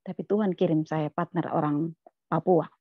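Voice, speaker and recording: A woman's voice: low voice, steady tone, normal speed, dry recording, phone-quality sound. A woman, a guest speaker at a church service, telling a personal story in a plain, repetitive way, often restarting phrases and quoting others. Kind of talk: testimony sermon, storytelling.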